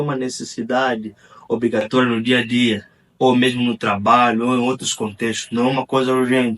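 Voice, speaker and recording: With monotone, flat intonation, a man at a medium pitch speaks at a moderate pace. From Angola. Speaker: English teacher. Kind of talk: educational video monologue.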